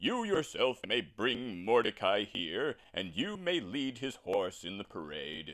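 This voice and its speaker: In a put-on character voice, a booming man speaks at a medium pitch with very wide swings, going at a fairly slow pace with hardly any pauses. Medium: read story. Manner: commanding, booming.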